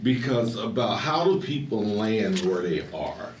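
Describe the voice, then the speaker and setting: A male podcast co-host with a jovial, joking manner, leaning into probing questions for his guest. His mid-low voice sounds set back from the mic. It carries a roomy echo over faint background noise. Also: lively intonation, unhurried, distant mic. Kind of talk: casual interview chat.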